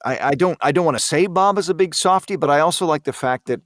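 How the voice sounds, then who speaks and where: A man speaking as an interview guest, thinking aloud in a halting, reflective way with repeated words. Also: a little high, a bit bright, no echo, clean studio sound. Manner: hesitant, thoughtful, halting delivery with repeated words.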